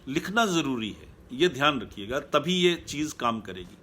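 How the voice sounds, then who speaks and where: A man speaking as a happiness coach in a live online talk, calm and measured, repeating his key points. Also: medium pitch, husky.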